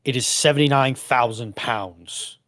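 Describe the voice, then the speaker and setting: A man's voice: mid-range voice, a little slow, fairly bright tone. A man talking informally in a history discussion, explaining points with colloquial turns of phrase.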